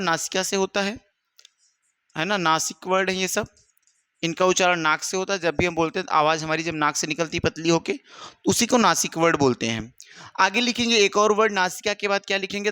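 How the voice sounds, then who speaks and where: A male teacher leads an exam-prep grammar lesson with a high, bright voice. He fires questions at his students, answers them himself and keeps calling them "my brother." The sound is close and dry. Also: fairly quick, clean tone, no echo.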